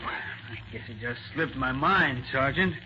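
An actor playing an uneasy, polite American nightclub manager in 1940s radio crime drama. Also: male voice, medium pitch, animated, measured pace, bright, forceful tone. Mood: uneasy, hesitant. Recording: dull, noisy 1940s radio recording.

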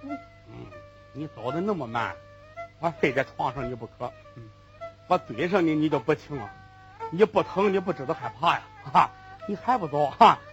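A man voicing a spiteful male rickshaw puller grumbling quietly to himself. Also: expressive, racing, pauses often, faint music behind, low-quality recording. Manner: low grumbling mutter.

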